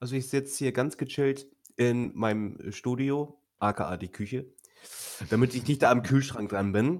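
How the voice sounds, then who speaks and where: A man with an ordinary speaking voice, medium pitch, ordinary pitch variation and a fairly slow pace, in a very clean recording with a silent background. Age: 30s. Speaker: podcast co-host. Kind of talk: casual chat. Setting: home kitchen.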